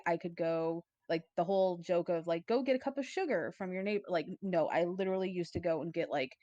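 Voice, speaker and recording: A woman's voice: on the low side, a little mellow, dry recording, dull audio. A woman co-hosting a podcast in casual chat, thinking aloud in a hesitant, reflective way. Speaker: podcast co-host. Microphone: headset.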